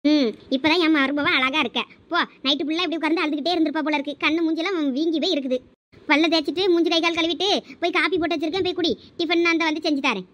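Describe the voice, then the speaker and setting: A woman voicing a kindly, fretful mother-in-law in a cartoon who soothes and coaxes in a Thoothukudi Tamil accent, a little lower than her other voices. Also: steady tone, racing, fairly bright tone. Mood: coaxing.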